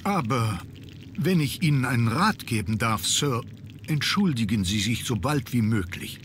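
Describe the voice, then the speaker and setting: A formal, servile butler from a horror adventure game. His mid-pitched voice moves through a wide range, staying deferential, with some background noise. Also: animated, unhurried, a bit bright. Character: dutiful, deferential male butler of a manor. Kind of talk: scripted video game acting.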